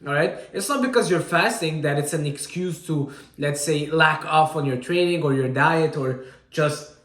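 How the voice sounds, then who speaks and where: Energetic fitness coach from Syria. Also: male voice, fairly high pitch, moderate pace, roomy sound. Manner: energetic, repeats "all right?" often. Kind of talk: casual fitness advice to camera.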